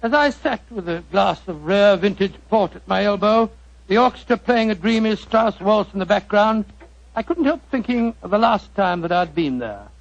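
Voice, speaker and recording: An actor playing a genial elderly doctor who tells the story, with a bumbling, chummy manner, in a 1940s radio drama. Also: male voice, high voice, animated, normal speed, vocal fry, no room sound. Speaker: narrator of the tale. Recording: dull 1940s radio broadcast.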